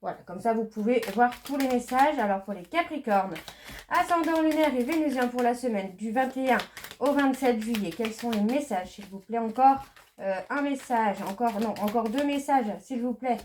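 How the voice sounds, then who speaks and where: A woman doing a casual card reading, chatty and hesitant, with many fillers and restarts, slowing down when she reads card messages aloud. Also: on the high side, a little mellow, slight background noise. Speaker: medium doing a tarot reading.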